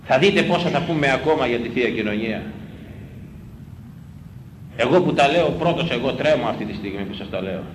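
A man, a priest, delivering a sermon in an emphatic, pleading way, repeating phrases and swinging between loud exclamations and hushed lines. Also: mid-range voice, lively intonation, pauses often. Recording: echoey room with faint ambient noise.

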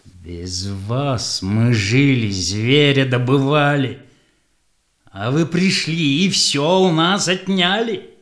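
Proud, defiant male tribal leader for verse radio play, played by an actor: very unhurried, weighty, declamatory. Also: fairly high pitch, a bit bright. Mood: bitter, challenging. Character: proud, defiant Yakut tribal leader, embittered father of five. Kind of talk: theatrical verse drama acting.

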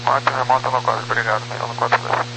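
A man's voice: flat delivery, quick pace, vocal fry. A man with a Brazilian accent speaking in clipped aviation phraseology over a two-way radio. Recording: noisy, humming radio with vehicle rumble.

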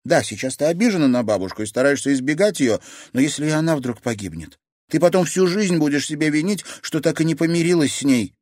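A hurt young woman, as a male audiobook reader puts her on, throws accusations in a raised, lively voice. Her lines swing widely in pitch and push hard. The recording is close and dry. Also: fast, no room sound. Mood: pleading. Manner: heated, accusing.

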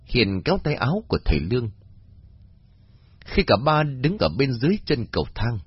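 A man's voice: moderate pace, husky, no room sound. A man narrating a horror story, reading expressively. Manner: expressive reading with a wide pitch swing. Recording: slightly dull, dry recording with faint music.

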